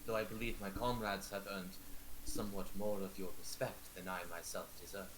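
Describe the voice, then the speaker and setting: A man's voice: low voice, steady tone, brisk, pitched below the performer's own voice, natural voice. A man playing an earnest, courteous paladin in a tabletop game, speaking in formal, righteous declarations. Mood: solemn, humble. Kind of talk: role-play in tabletop game. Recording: clear background hiss and noise.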